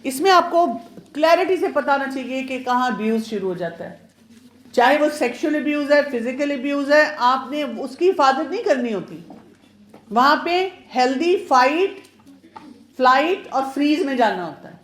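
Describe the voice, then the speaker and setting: Lady doctor giving a chatty advice talk, fairly high voice, echoey room. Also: animated. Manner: chatty, advising, switches between Urdu and English words. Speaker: pediatrician giving a marriage awareness talk. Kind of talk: informal lecture to women. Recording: roomy echo.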